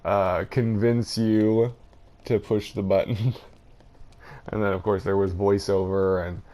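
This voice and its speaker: A man's voice: low voice, a little mellow. A man giving casual, unscripted game commentary, thinking aloud in a hesitant way. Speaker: gaming video host.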